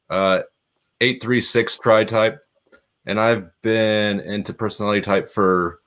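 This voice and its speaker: A man's voice: on the low side, fairly bright tone. A man guest on a group video call, confident and casual.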